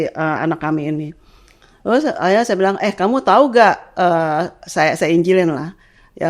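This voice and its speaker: Middle-aged mother guest, lively storyteller, acts out the quoted voices. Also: medium pitch. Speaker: parent guest. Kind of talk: animated storytelling.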